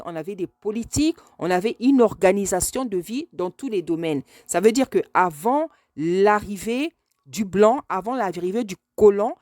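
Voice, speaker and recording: Addressing a politician in a video message, a French woman talks earnestly without a script, hesitating and frequently repeating phrases to stress her points. She has a mellow, medium-pitched voice, captured dry at studio quality.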